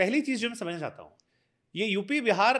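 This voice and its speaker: A man speaking at a moderate pace. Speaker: news anchor and podcast host. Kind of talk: casual interview. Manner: fresh even after long interview.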